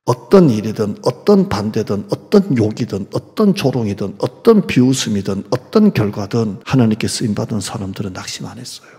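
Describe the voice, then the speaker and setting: A man delivers a dramatic sermon in a gravelly, husky voice. He drops to hushed asides and rises to loud mocking taunts. His words ring out with the long reverb of a church hall. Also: fairly low pitch, animated, a little fast, few pauses. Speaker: pastor. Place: church sanctuary.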